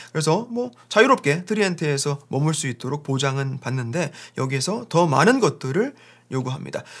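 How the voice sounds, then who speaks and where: A somewhat breathy man's voice, fairly high in pitch, with very wide pitch swings at a moderate pace. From Korea. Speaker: priest lecturer. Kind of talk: lecture. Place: home room.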